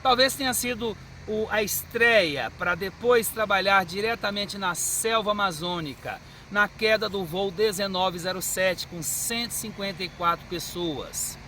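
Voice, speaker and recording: High-voiced Brazilian man in his fifties. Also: bright, forceful tone. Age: 50s. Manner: measured, didactic. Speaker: forensic medical examiner. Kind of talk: answering interview questions. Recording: street and car noise behind.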